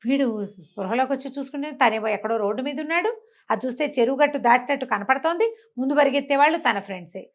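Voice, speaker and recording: A woman's voice: sits high, lively intonation, fast. A woman storyteller narrating a folk tale conversationally, repeating phrases and acting out dialogue. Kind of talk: animated oral folk storytelling.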